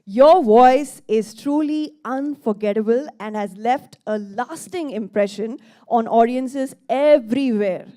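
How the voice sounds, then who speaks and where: A woman with a fairly high, mellow voice hosts a press event on stage. She introduces and thanks guests formally and effusively, always politely. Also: measured pace, hardly any pauses. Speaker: event host. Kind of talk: formal compering.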